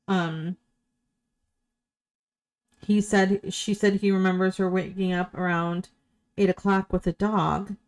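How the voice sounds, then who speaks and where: A woman's voice: fairly low pitch, darkish tone. A middle-aged woman commenting in a casual, opinionated, questioning way.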